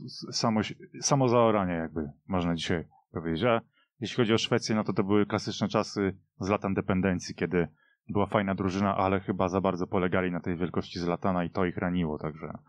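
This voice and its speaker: A man's voice: low-pitched, steady tone, brisk, dry recording. A man giving opinionated, conversational football punditry in a radio discussion. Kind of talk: casual opinionated sports discussion. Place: radio studio. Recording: dull, muffled studio audio.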